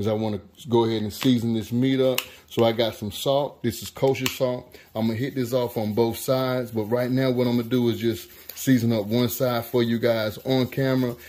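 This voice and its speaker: A man speaks at a fairly quick pace with monotone, flat intonation. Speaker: home cook channel host. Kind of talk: cooking tutorial. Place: kitchen.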